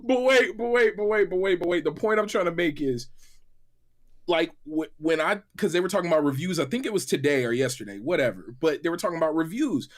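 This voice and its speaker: A fairly high-voiced man talks casually on a panel. His delivery swings up and down a lot, excitable and slangy, with phrases often repeated. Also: fairly quick. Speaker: gaming podcast panelist and reviewer. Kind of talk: animated casual panel banter. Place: remote call on a livestream.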